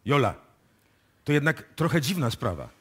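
An actor playing a persistent police inspector in a radio drama, businesslike and questioning. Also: male voice, mid-range voice, very animated, moderate pace, fairly bright tone, husky. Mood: doubting. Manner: businesslike, probing, colloquial. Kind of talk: live radio drama acting.

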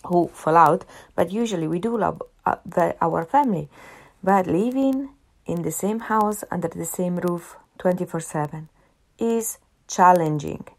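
A woman with an Italian accent hosting a solo podcast, talking earnestly and repeating phrases for emphasis. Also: lowish voice. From half Italian, family in Italy. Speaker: podcast host.

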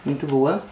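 Gushing Brazilian woman in a roomy space. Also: on the high side. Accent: Brazilian Portuguese. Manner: gushing and exclamatory, slips into hushed whispers and sudden squeals. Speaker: vlogger. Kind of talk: album unboxing chat. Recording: roomy echo, faint background noise.

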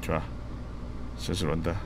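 A man's voice: low voice, level tone, moderate pace, a little hiss or hum. A man giving live game commentary as a streamer, casually and playfully talking to viewers, muttering repeated short phrases and bursting into exclamations.

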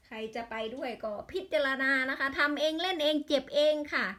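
High-voiced woman with an Isan accent. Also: fairly quick, sharp tone. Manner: rattles off number strings, with exasperated grumbling outbursts. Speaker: lottery number tipster. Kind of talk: casual vlog reading out lottery numbers.

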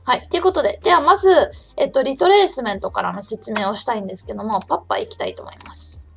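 A woman's voice: fairly high pitch, very animated, very fast, vocal fry, fairly bright tone, slightly rough, soft background music. A woman hosting a live-streamed trading lesson, chatty and casual, talking to herself, reading viewer comments aloud and calling herself by name, her throat just recovering from soreness. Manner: chatty, talks to herself and reads chat aloud; calls herself by name in the third person. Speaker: trading channel host.

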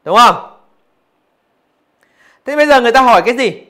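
A man's voice: very high-pitched, lively intonation, normal speed, sharp tone. A male physics teacher going through exam answers, asking his students rhetorical questions as he explains. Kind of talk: exam review lesson.

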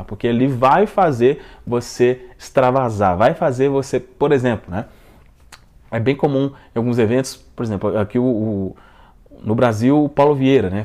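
A man with a Brazilian Portuguese accent, hosting a self-help video in a casual talk to camera. He talks in a chatty way, tags his phrases with little checking questions, and breaks into loud bursts to stress a point. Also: mid-range voice. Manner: rises into loud bursts when making a point.

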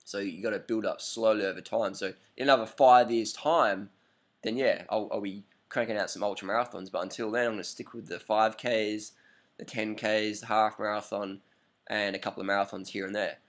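A man's voice: lowish voice, steady tone, fairly quick. A man in his thirties answering a viewer's question in a casual, rambling webcam vlog indoors, repeating his points for emphasis. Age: 30s. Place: indoor room with curtains, at night. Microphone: laptop webcam up close.

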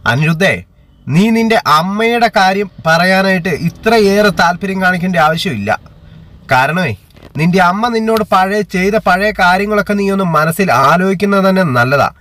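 A man's voice: high-pitched, moderate pace, a bit bright, pitched above the performer's own voice. A man voicing a scheming, manipulative middle-aged aunt in a retold story, taunting and insistent.

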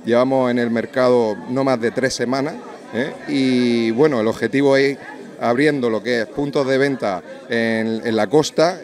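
Man pitching his product, "eh" fillers. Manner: fluent sales pitch with many "eh" fillers. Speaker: drinks company representative. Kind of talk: event interview. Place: busy restaurant event indoors. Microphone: handheld interviewer mic.

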